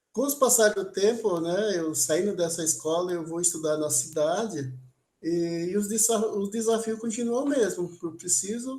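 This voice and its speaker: A man with a dark, mellow tone speaks in a southern Brazilian Indigenous accent. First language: Kaingang (speaking Portuguese). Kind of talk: interview. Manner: halting, with repetitions and fillers.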